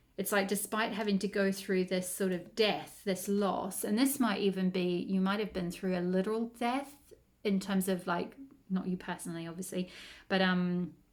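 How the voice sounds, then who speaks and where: A normal speaking voice at a moderate pace with fairly even intonation. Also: woman, medium pitch for a woman. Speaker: tarot reader and holistic healer. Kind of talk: tarot reading channelled message.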